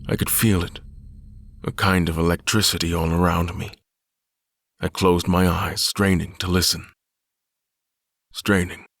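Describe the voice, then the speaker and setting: An actor playing a proud, haunted old admiral, narrating a horror audio drama in a grave, formal manner. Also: male voice, sits low, level tone, measured pace, vocal fry, pauses often, no room sound, clean studio sound, heavily acted. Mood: grave, fearful. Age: older. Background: loud music.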